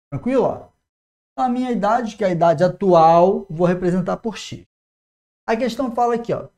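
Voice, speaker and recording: A man in his forties with a Brazilian Portuguese accent, teaching math at a whiteboard. He talks energetically to the viewer and slows down to spell out each step as he writes. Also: high voice, darkish tone. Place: classroom in front of a whiteboard. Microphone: lapel mic.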